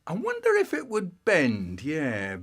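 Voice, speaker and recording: Man as mischievous boy, stubborn, excitable, repetitive, high and lively, comic storytelling. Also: takes it slowly, exaggerated voice. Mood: wilful curiosity. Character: stubborn mischievous boy obsessed with bending things.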